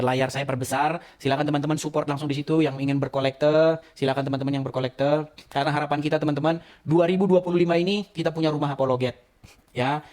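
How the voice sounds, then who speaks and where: A man hosting his own channel, talking straight to a phone camera in a heated, emphatic livestream monologue. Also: on the high side. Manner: emphatic, heated, repeats "gitu loh". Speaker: channel host.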